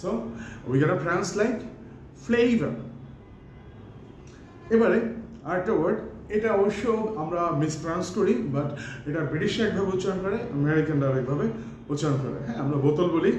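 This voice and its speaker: A man's voice: sits high, brisk, a little mellow, heavy reverb, a little hiss or hum. A man with a Bangladeshi accent teaching English pronunciation in a casual lesson, mixing English phrases in and stretching out words to model them. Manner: mixes English into talk, many fillers, stretches words to model sounds.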